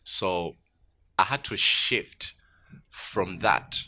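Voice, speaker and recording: A man from Tanzania, a guest musician, talking in a radio studio interview, reflective and growing emphatic when excited. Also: sits low, drawn-out words.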